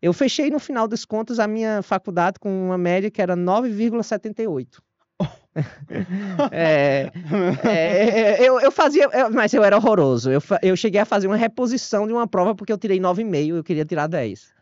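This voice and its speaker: A man with a northeastern Brazilian accent, a guest historian telling his own story in an interview, animated and self-deprecating. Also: sits high, a little fast, no room sound. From Northeast Brazil (Paraíba, Ceará). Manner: animated, self-deprecating, frequent restarts and laughs. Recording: dull lo-fi dry audio.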